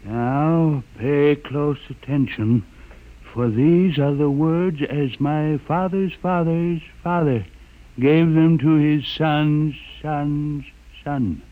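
An actor playing an old man who keeps the legend of the ship, reciting it slowly in a 1950s radio drama. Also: a little high. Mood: solemn chanting. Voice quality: slow, chanting delivery. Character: old male keeper of the ship's legend, solemn. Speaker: John the Witness. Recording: tinny 1950s radio broadcast with music.

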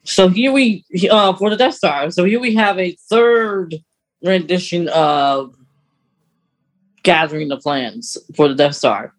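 Man podcaster with a higher voice. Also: slow. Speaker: podcast host. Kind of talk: casual chat discussing a story.

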